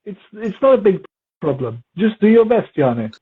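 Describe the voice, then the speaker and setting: Brief: man, language teacher, husky, slightly high voice, tinny phone-like sound. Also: moderate pace. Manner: relaxed, repetitive for emphasis, mixes in Turkish words. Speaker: English teacher interviewed as guest. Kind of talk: casual conversational Q&A. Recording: muffled phone-like audio.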